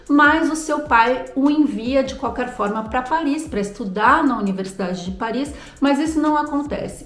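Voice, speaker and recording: A woman's voice: fairly high pitch, echoey room. A woman with a Brazilian Portuguese accent telling a history story in a conversational, informal and explanatory way, as a host.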